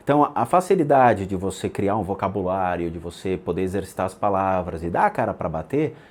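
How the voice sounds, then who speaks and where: A man's voice: low voice, fairly quick. A middle-aged man hosting a channel, chatting casually and animatedly and acting out the dialogue in his stories, with frequent restarts. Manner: animated storytelling, acts out quoted dialogue; many fillers and restarts. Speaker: channel host answering subscriber questions. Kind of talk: casual monologue.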